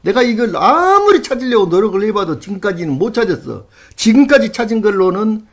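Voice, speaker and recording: A man's voice: sits high, big pitch swings. A man reading old records aloud and breaking off to argue with them, incredulous and emphatic. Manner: incredulous, argumentative, quick rises to loud emphasis. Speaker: history channel host.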